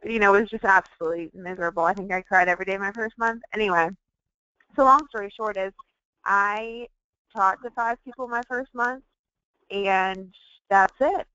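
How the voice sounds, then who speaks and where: Clear-voiced woman, candid, on lo-fi audio. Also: medium pitch, normal speed, sharp tone, no room sound. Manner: candid, informal storytelling. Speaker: webinar guest, sales team member. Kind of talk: conversational personal testimonial. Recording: dull, lo-fi webinar audio.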